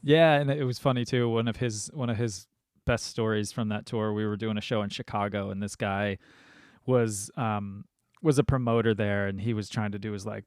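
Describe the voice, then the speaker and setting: A man hosting a podcast, chatting casually and telling lively stories with many fillers. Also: fairly low pitch, normal speed, clear, resonant tone, no echo, studio quality. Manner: animated storyteller, many fillers. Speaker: podcast host. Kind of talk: casual conversation.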